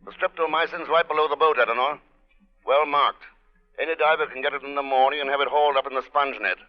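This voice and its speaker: An actor playing a self-assured, dry-witted investigator, terse and composed in 1940s radio style. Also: male voice, fairly high pitch, steady tone, fast, faint music behind, natural voice. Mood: brisk. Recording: dull old-time radio recording.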